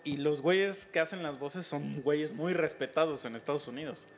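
A man's voice: fairly high pitch, moderate pace, a little hiss or hum. A man with a Mexican accent hosting a casual, slangy chat, talking animatedly and laughing often.

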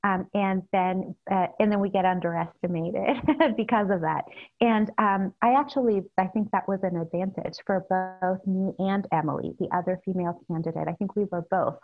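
A woman's voice: medium pitch, fairly even intonation, moderate pace, soft background music. Earnest woman on a tinny phone line. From El Salvador. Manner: earnest, frequent fillers and soft laughs. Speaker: newly elected city supervisor. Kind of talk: casual interview answers.

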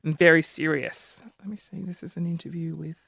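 A man with a high-pitched voice hosting a podcast, telling a story in an animated, self-deprecating way. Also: brisk, gravelly, breathy edge, no echo, studio quality. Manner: animated, self-deprecating, jumps between high and low tones. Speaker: podcast host. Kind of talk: casual storytelling monologue.

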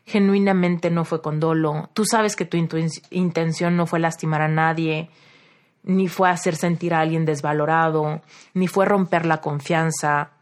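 Lower-voiced Mexican woman, reflective storyteller. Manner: storytelling, repeats phrases for emphasis. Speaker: podcast host and life coach. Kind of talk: casual reflective podcast monologue.

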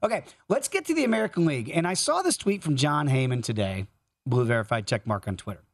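A man's voice: mid-range voice, sing-song, fast, no echo, clean studio sound. A man hosting a live sports betting talk show.

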